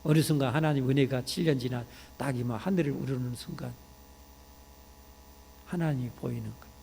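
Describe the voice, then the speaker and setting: A man with a Jeolla accent preaching a sermon in a church, talking like in conversation, peppering lines with "ye" and turning to loud emphatic calls. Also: mid-range voice, fairly quick, vocal fry, a little hiss or hum. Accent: Jeolla Korean. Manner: conversational preaching, frequent "ye" interjections, rising to shouts when emphatic. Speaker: pastor. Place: church sanctuary. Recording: church hall reverb.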